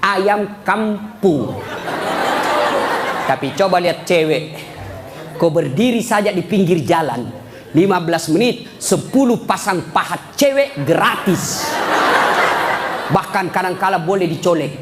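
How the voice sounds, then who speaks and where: Animated, high-pitched joking preacher. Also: male voice, a little slow, pauses often, over a noisy crowd. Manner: animated, joking, often shouting. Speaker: Islamic preacher. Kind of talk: comic sermon. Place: live religious gathering. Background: audience laughter.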